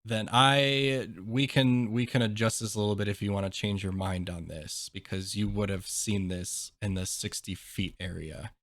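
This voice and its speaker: A man's voice: on the low side, fairly even intonation, moderate pace, few pauses, a bit bright, no echo, studio quality. A man narrating a tabletop game as game master in a casual, hesitant and explanatory way.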